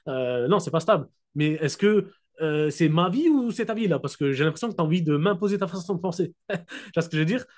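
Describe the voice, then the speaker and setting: Man, slightly raised pitch, motivational coach, casual and direct, computer mic on video call. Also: lively intonation, a little mellow. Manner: casual, direct, keeps asking listeners if they follow; slows down to dictate key points. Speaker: network marketing coach.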